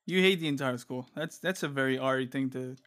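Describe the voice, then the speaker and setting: A man's voice: medium pitch, a little fast, fairly bright tone. A man talking over voice chat with a streamer friend while gaming, teasing and easygoing. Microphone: remote voice chat mic.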